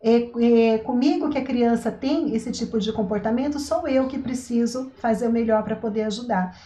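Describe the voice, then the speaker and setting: A woman's voice: a little high, normal speed, dark tone, echoey room. A woman, a parenting educator, talking casually to camera. She asks rhetorical questions and keeps checking in with her listeners. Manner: chatty, asks rhetorical questions, says "né" and "tá" often. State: throat itch, coughs now and then.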